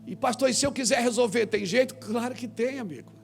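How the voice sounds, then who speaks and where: Man preaching in church, high gravelly voice, goes soft then shouts, music under him. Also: fast. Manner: acts out biblical voices, swings from quiet to shouting. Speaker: pastor. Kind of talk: sermon. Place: church hall.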